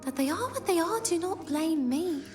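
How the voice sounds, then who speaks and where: A woman playing a solemn, unyielding spirit of the past in an audio drama, hushed and measured. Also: very high voice, lively intonation, music in the background. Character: solemn, unyielding ghost showing shadows of the past.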